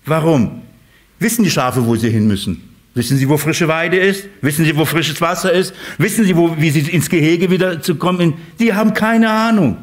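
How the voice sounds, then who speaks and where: A man preaching a sermon to his congregation, lively, playfully acting out voices of shepherds and sheep, with his voice rising and dropping. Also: on the high side, normal speed.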